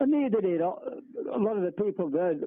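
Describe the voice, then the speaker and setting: With a Lancashire accent, a man speaks at a high pitch and with lively intonation. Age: 80s+. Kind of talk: phone call reminiscence.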